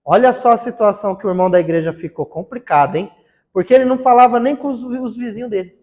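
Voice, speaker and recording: A man's voice: very high voice, quick pace. A man teaching a theology class, telling personal stories in a casual, colloquial way and acting out the dialogue. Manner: lively storytelling, acts out dialogue with rises in loudness; casual colloquial speech with frequent fillers. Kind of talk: lesson with personal testimony stories.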